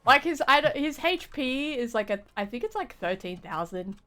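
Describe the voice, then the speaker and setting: A woman's voice: sits high, very animated, normal speed, a bit bright. A woman chatting casually as she live-streams a video game, rambling and often restarting her phrases. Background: game music.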